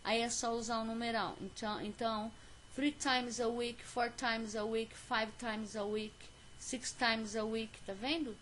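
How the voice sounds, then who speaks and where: A woman with a Brazilian Portuguese accent teaching an English lesson on video, slowly stressing each example word. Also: a little high, steady tone, fairly bright tone, a little hiss or hum. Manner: slow, clear teaching pace with stressed example words.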